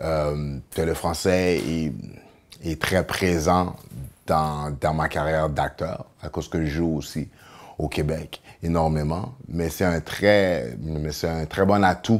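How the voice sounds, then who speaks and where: A man with a Haitian accent speaks at a very slow pace, his pitch very deep and low. His pitch variation is ordinary, and the background is quiet. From Quebec, Haitian family. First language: Haitian Creole (speaking French). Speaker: actor and dancer; actor. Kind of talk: interview monologue. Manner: halting, many fillers and repetitions. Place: home room. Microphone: lapel.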